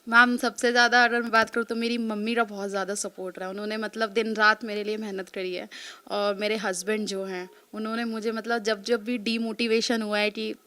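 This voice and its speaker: Speaking fairly quickly with a flat delivery, a woman in her thirties from Delhi, India, fields a reporter's questions as an exam topper. Her medium pitch carries a sharp tone, and she stays polite, keeps calling the reporter ma'am, and slips English words in.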